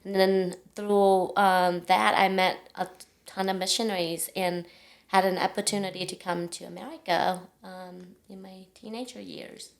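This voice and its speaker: A woman from Cambodia speaks as a podcast guest with a Southeast Asian accent. Her English is non-native, with simplified grammar. She tells personal stories casually in a medium-pitched voice. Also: flat delivery, measured pace, creaky. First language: Vietnamese or Khmer.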